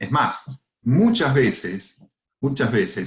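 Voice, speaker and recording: A man talks in a somewhat breathy voice, his pitch shifting in an ordinary way. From Argentina. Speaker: cybersecurity company director. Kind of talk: webinar Q&A answers. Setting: online webinar. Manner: halting, many fillers.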